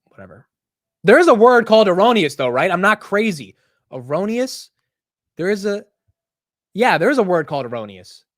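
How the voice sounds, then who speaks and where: A man's voice: high-pitched, moderate pace, long pauses, no echo, studio quality. A young American man hosting a casual market livestream, ranting with profanity and poking fun at himself. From United States. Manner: animated, ranting, profane and self-mocking. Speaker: livestream market show host.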